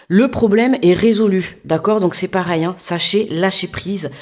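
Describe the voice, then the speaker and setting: A woman's voice: on the low side, moderate pace, a little mellow. Woman, casual card reader, informal and talkative, addresses the listener directly and keeps checking in. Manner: chatty, keeps checking in with "d'accord?" and "tu vois". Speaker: tarot guidance reader. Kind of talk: casual card reading to the viewer. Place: home desk.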